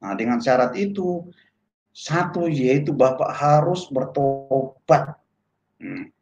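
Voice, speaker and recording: A man telling a personal testimony in an animated way, acting out the voices of people in his story. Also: mid-range voice, takes it slowly, faint music behind. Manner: animated, acts out quoted voices. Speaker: testimony speaker. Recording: echoey, dull lo-fi room sound.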